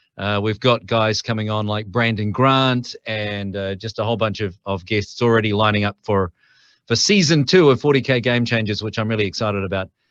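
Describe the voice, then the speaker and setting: Speaking at a fairly quick pace with fairly even intonation, a man with a New Zealand accent has a fairly low pitch against a quiet background. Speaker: podcast guest, gaming podcaster. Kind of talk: casual chat.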